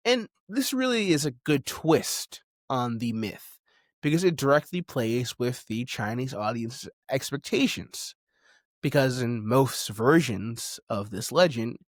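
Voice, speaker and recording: A man hosting a video essay, speaking in a conversational, emphatic way with dramatic pauses. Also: medium pitch, no room sound, studio quality. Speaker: podcast host and video essayist.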